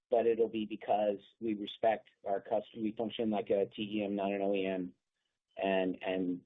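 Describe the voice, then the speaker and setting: A man speaking as a company executive, giving unscripted answers on an earnings call in a halting way, repeating words as he goes. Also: lowish voice, slightly rough. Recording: thin phone-line conference call.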